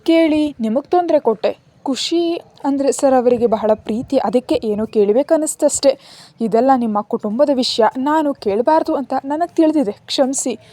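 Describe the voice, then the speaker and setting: Humble young nanny, read by a woman, earnest and polite, mellow high-ish voice. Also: normal speed, no room sound.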